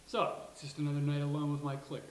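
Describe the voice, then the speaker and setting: A man's voice: fairly high pitch, completely flat delivery, rapid-fire, a little mellow, close to an everyday voice. A man reading a witty, coaxing gay best friend in a live sitcom table read. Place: live venue with studio audience. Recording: roomy live venue, faint hiss.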